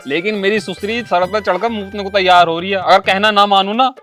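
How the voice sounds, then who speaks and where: A woman's voice: medium pitch, steady tone, a little fast, a bit bright, faint music behind, close to an everyday voice. A woman playing a henpecked young village son who grumbles wearily about his wife and mother. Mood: complaining. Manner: grumbling, weary complaining. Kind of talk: rustic comedy skit acting.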